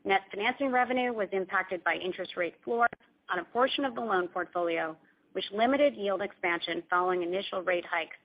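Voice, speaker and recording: A dull, band-limited conference call recording carries a woman's mid-pitched voice. She speaks as a company executive presenting financial results from a script. Her delivery is formal, measured and corporate.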